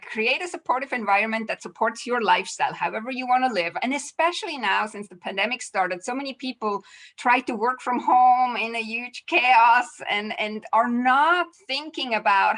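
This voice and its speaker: A middle-aged woman from Switzerland, a clutter clearing coach speaking as a guest in a casual, chatty way with frequent laughs and restarts. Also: fairly high pitch, moderate pace, a bit bright. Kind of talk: casual interview talk.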